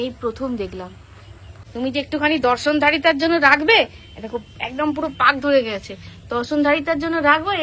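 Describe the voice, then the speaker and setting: Brief: chatty West Bengal Bengali woman vlogger, high, bright and exclamatory. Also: slight background noise, poor audio. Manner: chatty, exclaiming, narrating what she does. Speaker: lifestyle vlogger. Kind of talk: casual home vlog. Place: garden with mango trees, then home kitchen.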